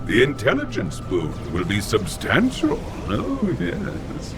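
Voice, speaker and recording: A man's voice: mid-range voice, wildly swooping pitch, very noisy, heavily acted. An actor playing a scheming elderly male cyborg leader in a game cutscene, drawing out his words with relish. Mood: gloating. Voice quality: creaky, drawn-out, relishing. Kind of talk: video game cutscene voice acting. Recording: game score under the voice.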